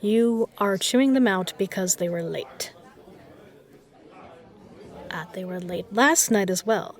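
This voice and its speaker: A woman's voice: medium pitch, some chatter behind. Woman playing a poised, particular bar regular. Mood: firm, commanding. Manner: measured, formal phrasing, self-assured. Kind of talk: scripted audio roleplay addressed to the listener.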